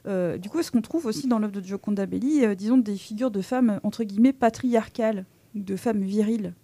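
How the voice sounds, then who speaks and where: A woman hosting a radio interview, asking long questions in a measured way with frequent fillers. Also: mid-range voice, warm tone, no room sound. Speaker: radio host.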